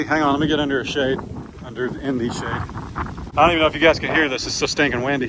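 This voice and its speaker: Over noticeable background noise, a man speaks very fast at a fairly high pitch. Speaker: farm vlogger. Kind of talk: casual vlog narration. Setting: outdoors. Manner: animated.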